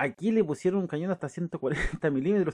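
The background is quiet. A man's pace is moderate, and his pitch varies in an ordinary way. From Chile. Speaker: YouTube commentator on military technology; channel host. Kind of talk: casual video commentary; casual commentary. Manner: halting, many fillers.

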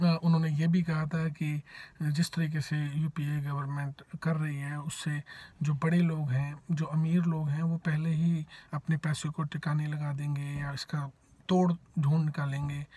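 The delivery is very slow and somewhat breathy, with a dark, mellow tone and monotone, flat intonation. The sound is dry with no echo. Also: man, fairly high pitch for a man. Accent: Punjabi. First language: Punjabi (speaking Hindi). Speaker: political commentator. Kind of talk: opinion monologue. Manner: hesitant, frequent fillers; Hindi-English code-switching. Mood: critical, argumentative. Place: car. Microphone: phone near.

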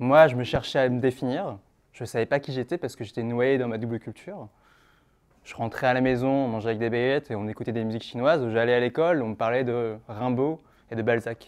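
Over a quiet background, a man talks at a fairly quick pace. His intonation stays fairly even. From northern France (Pas-de-Calais, Hénin-Beaumont); Pas-de-Calais, France. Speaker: ecovillage cofounder and trainer; speaker. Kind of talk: public talk; personal story talk to an audience. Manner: hesitant with fillers. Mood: reflective, friendly. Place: home room.

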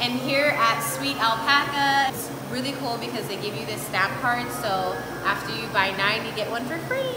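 At a moderate pace, a woman speaks through loud background noise. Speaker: food vlogger. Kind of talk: casual vlog chat. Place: shop. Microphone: phone near.

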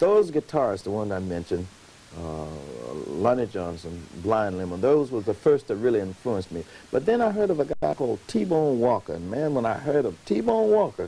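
The man's pitch swings very widely while he keeps a moderate speed. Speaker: interviewee. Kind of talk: interview answer. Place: studio.

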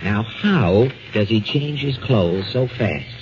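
A man with an American accent talks fairly slowly with lively intonation. Noticeable background noise can be heard. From United States. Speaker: radio comedian, interviewer. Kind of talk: comedic radio interview. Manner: dry, sarcastic, wisecracking. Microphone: old recording.

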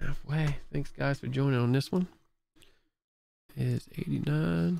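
Quiet and very even in loudness, a man is speaking. His pace is fairly slow. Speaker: sports card break host. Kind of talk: live stream commentary.

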